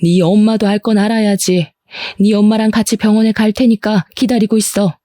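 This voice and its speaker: A woman's voice: mid-range voice, fairly even intonation, dark tone, no room sound, studio quality, natural voice. A woman voicing a protective middle-aged aunt, outraged on her niece's behalf. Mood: indignant. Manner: brisk, worried then indignant.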